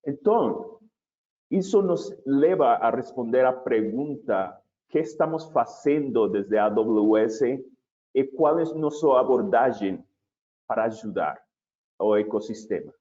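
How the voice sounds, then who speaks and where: Slow, measured man presenting a webinar. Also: medium pitch, lively intonation, dark tone, lo-fi sound. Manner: measured, deliberate, with occasional restarts. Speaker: webinar presenter opening the event.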